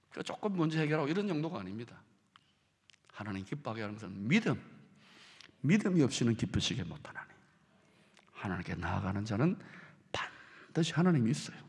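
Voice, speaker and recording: A male pastor with a Gyeongsang accent preaching a sermon, swinging from hushed lines to loud ones. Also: mid-range voice, big-room sound. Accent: Gyeongsang Korean. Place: church sanctuary.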